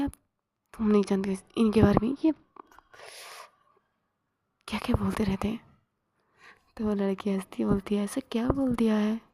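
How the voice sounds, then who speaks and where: A woman telling a romantic story in whispered role-play, voicing every character herself in a soft husky whisper. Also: mid-range voice.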